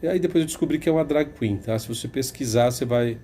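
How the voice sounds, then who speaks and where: A man with a Brazilian Portuguese accent delivers a sarcastic opinion monologue, hammering his points by repeating them. His voice is mellow and warm, of middling pitch, with faint noise in the background. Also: fast talker. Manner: emphatic, sarcastic, repeats phrases for effect. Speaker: commentator.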